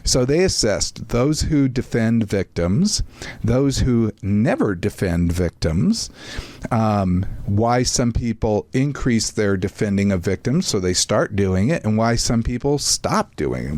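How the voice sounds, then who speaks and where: A man's voice: on the low side, sing-song, slow pace, darkish tone, no room sound. A man hosting a psychology talk show, explaining research in a chatty, self-deprecating way with asides to his co-hosts. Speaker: podcast host, psychologist. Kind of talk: casual explanatory chat.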